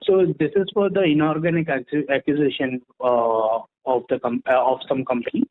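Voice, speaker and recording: A man's voice: medium pitch, fairly even intonation, moderate pace. Indian male analyst on tinny phone line. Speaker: investment analyst asking questions. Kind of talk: earnings call questioning.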